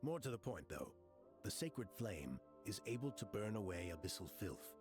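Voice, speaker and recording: Low-voiced, patient tribal guide. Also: male voice, big pitch swings, normal speed, over music. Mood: explaining. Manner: explanatory, reassuring. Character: easygoing male tribal guide, patient and knowledgeable. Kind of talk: video game voice acting.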